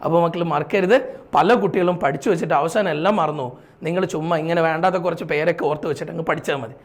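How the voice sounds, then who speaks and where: Fast-talking male teacher. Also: on the high side. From Kerala, India. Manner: chatty storyteller, calls students "children" affectionately. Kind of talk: exam-prep lesson with mnemonic stories.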